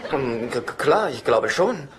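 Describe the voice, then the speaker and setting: An actor playing a nervous, easily tempted chiropractor in a dubbed sitcom, halting and exasperated. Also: male voice, medium pitch, big pitch swings, a faint crowd. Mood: sheepish, hesitant. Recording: noisy sitcom soundtrack with studio audience laughter.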